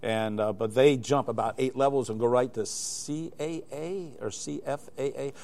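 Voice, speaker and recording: A man's voice: mid-range voice, moderate pace, darkish tone. An older man, a guest in a live studio interview, telling anecdotes in a rambling way with many restarts. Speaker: interview guest, glider flight examiner.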